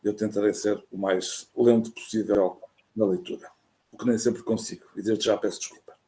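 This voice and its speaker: A man with a European Portuguese accent giving a formal academic lecture over a video call, speaking in a careful, measured way as a university professor. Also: fairly low pitch, fairly even intonation, warm tone. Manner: measured, careful, formal delivery with hesitations when speaking off text. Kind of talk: academic lecture read from a prepared text.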